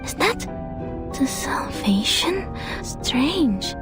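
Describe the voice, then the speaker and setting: A woman's voice: high voice, very animated, drawn-out words, music in the background, full character voice. A woman voicing an inquisitive, observant young woman in a video game, with a musing, polite manner.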